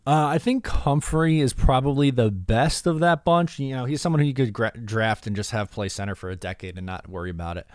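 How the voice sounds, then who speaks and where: A man hosts a podcast, answering voicemails and chatting casually about sports with blunt, opinionated replies. His medium-pitched voice moves briskly with hardly any pauses, and the recording is clean studio sound with no echo.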